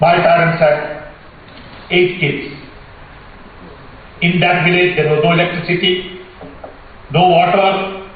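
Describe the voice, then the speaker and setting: Over noticeable background noise and audible room echo, a high-pitched man talks at a fairly slow pace with long, frequent pauses, monotone, flat intonation and very even loudness. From India (Orissa, raised in Gujarat). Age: 70s. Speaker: conference speaker. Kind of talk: keynote speech.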